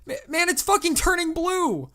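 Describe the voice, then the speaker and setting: A man voicing a whiny, panicked caller in his mid-twenties who is high on drugs and swearing. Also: sing-song, normal speed, sharp tone, full character voice. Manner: whiny, exaggerated, swearing dude-talk.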